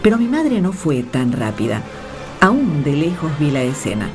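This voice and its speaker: A woman's voice: low voice, sing-song, moderate pace, over music. A woman playing a grown daughter who narrates grim memories solemnly in a radio play. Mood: solemn, vivid. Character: caravan leader's grown child recounting grim memories. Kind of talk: dramatic first-person narration in a radio play.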